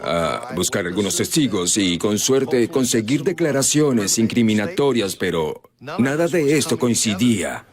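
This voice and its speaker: A man's voice: fairly low pitch, expressive, a little slow. A man, an investigator, describing a case in a documentary interview, stressing key words.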